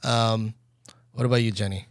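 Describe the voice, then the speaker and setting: A man's voice: fairly low pitch, moderate pace, no room sound. A man hosting a casual podcast chat in a small studio, talking loosely with many fillers and restarts. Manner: relaxed, filler-heavy, self-correcting. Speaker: podcast host. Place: small studio room set up by the group. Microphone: boom-arm mic.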